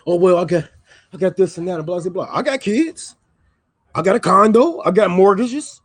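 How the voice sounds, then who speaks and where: A man's voice: high-pitched, moderate pace, dry recording. A man on a livestream, ranting heatedly and with profanity, repeating lines for emphasis. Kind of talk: livestream rant. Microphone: microphone.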